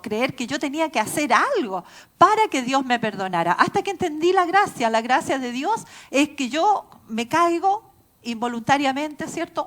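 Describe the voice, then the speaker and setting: A woman pastor with a Chilean accent preaching a sermon in a church, telling stories earnestly and laughing at herself. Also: high-pitched.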